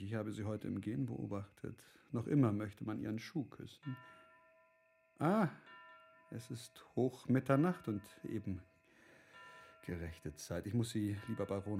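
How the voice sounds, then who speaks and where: An actor playing a worldly, self-assured count in a radio drama, charming and sensual, with urbane, formal old-fashioned phrasing. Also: male voice, fairly low pitch, creaky, dark tone. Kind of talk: literary radio drama acting.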